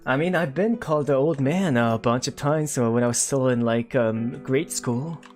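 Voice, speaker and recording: A man's voice: medium pitch, normal speed, darkish tone, soft background music. Rambling young man chatting on stream. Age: 20s. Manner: rambling, many fillers and self-corrections. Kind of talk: casual livestream chat while drawing, reading viewer comments.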